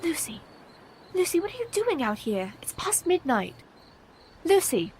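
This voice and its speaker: An actress playing a caring, composed young woman who speaks in steady, formal period English in a radio play. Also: very high-pitched, unhurried, slight background noise, exaggerated voice. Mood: alarmed. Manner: steady, reassuring, formal speech.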